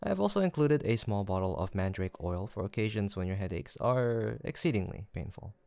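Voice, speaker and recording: A man playing a gentle, kindly young village apothecary in a soft roleplay audio drama, speaking politely and formally with attentive reassurance. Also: on the low side, expressive, brisk, creaky, clear, resonant tone, dry recording.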